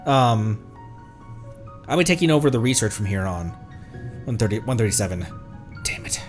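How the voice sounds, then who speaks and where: A male VTuber livestreams a game, reading its text aloud and reacting casually in a fairly low, animated voice at normal speed. He sometimes trips over words and corrects himself, with soft music in the background.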